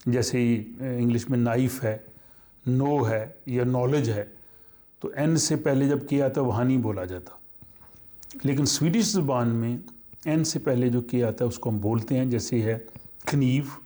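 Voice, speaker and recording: A man teaching a language lesson, explaining slowly with many pauses and fillers. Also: mid-range voice, mellow.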